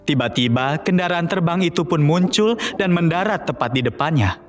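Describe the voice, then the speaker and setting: A man's voice: fairly high pitch, expressive, normal speed, faint music behind. A man narrating a scripted fairy tale for children as a storyteller.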